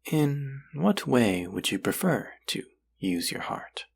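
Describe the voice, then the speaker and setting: A man's voice: big pitch swings, slow, heavily acted. A man voicing a possessive, seductive demon in an intimate audio roleplay, teasing and menacing, often dropping to a whisper. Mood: wry, probing. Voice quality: low, husky, gravelly. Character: possessive, seductive demon who craves human hearts.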